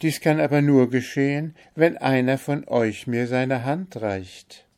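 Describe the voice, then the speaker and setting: A sorrowful owl, really a young princess under a spell, speaks in a lifted, plaintive voice, as a male narrator puts her on. She sounds mournful and unhurried. It is a storybook reading. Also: mid-range voice, a little mellow, pitched above the performer's own voice, close to an everyday voice. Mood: earnest pleading. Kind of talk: audiobook character voice.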